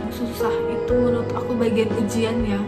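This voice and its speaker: Guest, female, Javanese accent, high pitch, relaxed talker, roomy echo. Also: fairly quick. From Yogyakarta, Indonesia. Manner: relaxed, laughs easily, chatty. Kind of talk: casual chat. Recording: echoey room with music behind.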